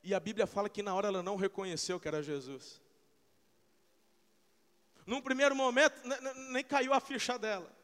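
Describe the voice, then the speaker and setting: A man preaching a sermon, emphatic and repetitive, swinging between loud, fervent peaks and slow, hushed passages. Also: high voice, clean tone. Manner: emphatic, repeats phrases, frequent hallelujahs. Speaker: pastor. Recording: long hall reverb.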